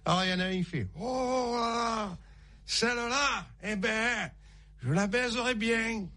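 High-voiced man telling a joke softly. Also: unhurried. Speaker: joke teller. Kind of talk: telling jokes aloud.

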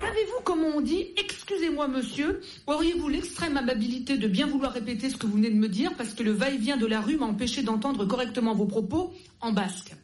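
A woman's voice: sits high, fairly quick, hardly any pauses, a little mellow, a little hiss or hum. A woman voicing a playful radio station jingle.

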